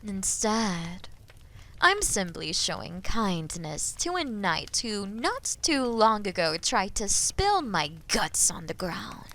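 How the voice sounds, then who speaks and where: Slow, haughty dragoness, acted by a woman. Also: mid-range voice, fairly bright tone, heavily acted. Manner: imperious, deliberate, breathy phrase endings. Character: haughty, menacing female dragon, imperious and possessive captor. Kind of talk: slow, dramatic roleplay audio acting.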